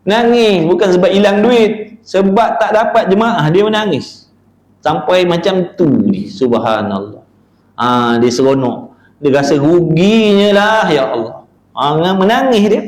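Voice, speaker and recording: A man's voice: sits high, unhurried. A man giving a dawn religious lecture in a neighbourhood prayer hall, talking in a colloquial, chatty way and asking rhetorical questions. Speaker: religious teacher.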